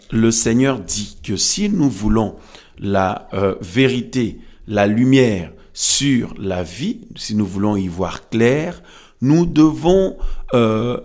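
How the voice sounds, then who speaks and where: A man preaching a sermon, teaching from scripture in a halting way and repeating phrases for emphasis. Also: mid-range voice, creaky, a little mellow. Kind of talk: French-language evangelical sermon, teaching from Bible verses. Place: room with some resonance.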